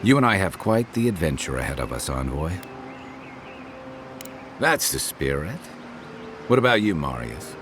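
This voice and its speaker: A wry, very deep-voiced game adventurer. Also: male voice, sing-song, normal speed, long pauses, noisy background. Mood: playful, warm. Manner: wry, teasing, reflective. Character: easygoing wry male adventurer companion, weathered but good-humoured. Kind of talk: naturalistic video game dialogue.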